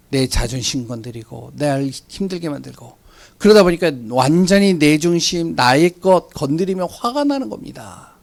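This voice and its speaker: A man who is a pastor, preaching a sermon with animated storytelling and rhetorical questions, often dropping suddenly to a quiet voice. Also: on the high side.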